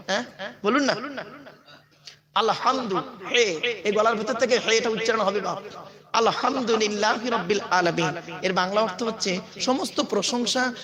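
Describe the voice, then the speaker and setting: A man preaching at a religious gathering, emphatic, quizzing the crowd and calling out to his listeners. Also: sits high. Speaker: Islamic preacher and school teacher. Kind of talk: Bengali waz sermon to a crowd. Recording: crowd noise behind.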